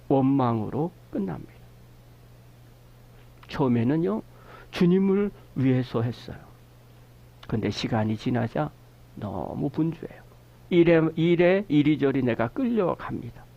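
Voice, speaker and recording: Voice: mid-range voice, animated, gravelly, lo-fi sound. A pastor preaching a Sunday sermon in a church, explaining scripture and questioning the congregation. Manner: explains a scripture word's meaning slowly. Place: church sanctuary.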